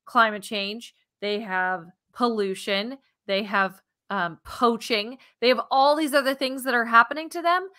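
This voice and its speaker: Woman, thirties, American accent, bright forceful voice, science podcast explainer, animated delivery, headset at home. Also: fairly high pitch. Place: living room at home, indoors. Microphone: headset on a video call.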